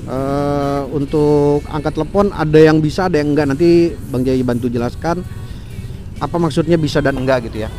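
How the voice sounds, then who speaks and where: A man's voice: a little high, fairly even intonation, normal speed, darkish tone, faint music behind. A man giving a chatty review while riding his motorbike, talking about himself in the third person, recorded through a helmet intercom mic. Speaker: motorcycle vlogger reviewing gear. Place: on a motorbike outdoors in traffic. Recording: faint road and traffic noise behind.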